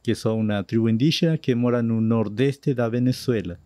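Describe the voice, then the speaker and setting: An Argentine man with a mellow voice and a native Spanish speaker's accent tells his story to a podcast host. He talks earnestly and drops Spanish words into his Portuguese. The recording is close and dry. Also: medium pitch, fairly quick, no room sound. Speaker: missionary guest. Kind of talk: casual storytelling in a podcast interview.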